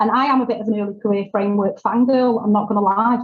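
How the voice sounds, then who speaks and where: With a northern English accent, a woman speaks at a moderate pace in a fairly high, somewhat breathy voice with fairly even intonation. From northern England. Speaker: teacher and author. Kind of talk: podcast interview. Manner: hesitant, many fillers.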